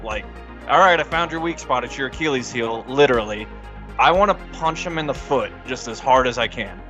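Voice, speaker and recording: A man's voice: medium pitch, lively intonation, fairly quick, bright, forceful tone, soft background music. A man playing a tabletop role-playing game in casual, crude and teasing banter.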